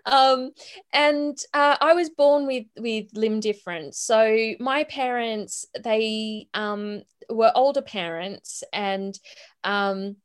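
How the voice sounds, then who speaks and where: A woman's voice: fairly high pitch, takes it slowly, clean tone. A woman in her forties with an Australian accent, a chatty guest on a remote interview who laughs often and restarts her sentences. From Sydney, Australia. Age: 40s. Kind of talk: conversational interview.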